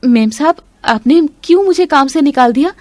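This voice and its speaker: A woman voicing a poor housemaid in an animated story, talking in a humble, pleading way. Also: high-pitched, normal speed, no echo.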